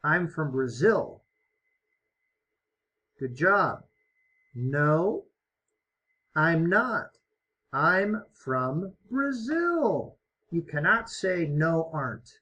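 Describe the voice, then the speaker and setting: A man teaching an online English lesson, explaining step by step in a slow, encouraging way. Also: fairly high pitch, very animated, pushed and bright. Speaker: ESL teacher.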